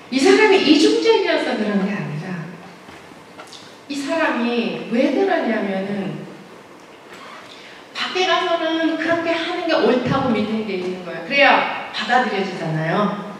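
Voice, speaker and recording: A woman's voice: on the high side, big pitch swings, unhurried, long pauses, a little hiss or hum. Woman lecturing in an echoey church. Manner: conversational, acts out quoted voices, asks the audience questions. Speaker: guest speaker, pastoral counselor. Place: large church sanctuary. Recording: echoey hall, voice from a distance.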